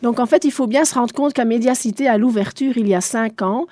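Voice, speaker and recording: A woman's voice: on the high side, a little fast, mellow, dry recording. A woman in her forties, a native German speaker from eastern Belgium, answering radio interview questions in a composed, businesslike way. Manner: composed, businesslike, explains with figures. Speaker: guest, shopping centre director.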